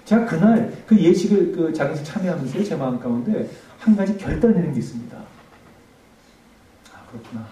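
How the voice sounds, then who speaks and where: A man preaching in a church sanctuary, his fairly high, mellow voice swinging widely in pitch. He alternates emphatic peaks with hushed passages. The recording is roomy and distant, with faint hiss behind. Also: lively intonation, quick pace, hardly any pauses. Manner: impassioned, rising to emphatic peaks then dropping to hushed tones. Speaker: pastor. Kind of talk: revival sermon. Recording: echoey church hall, mic at a distance, faint noise.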